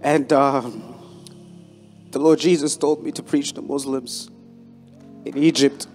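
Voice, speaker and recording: A man's voice: medium pitch, steady tone, slow pace, a little mellow, soft background music. A young man from Sudan giving a testimony on an arena stage with a handheld mic, hesitant with many fillers. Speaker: bible school student. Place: large indoor arena stage. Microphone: handheld microphone.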